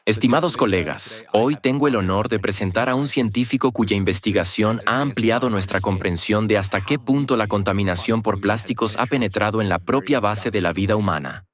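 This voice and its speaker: Low-voiced man, courteous formal introduction. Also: brisk, hardly any pauses. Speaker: conference moderator introducing a speaker.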